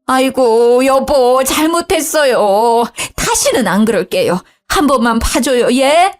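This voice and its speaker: A woman voicing a sharp-tongued older mother-in-law who scolds and whines, in a storybook reading. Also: lively intonation, measured pace. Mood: whining. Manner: shrill, scolding, whiny pleading.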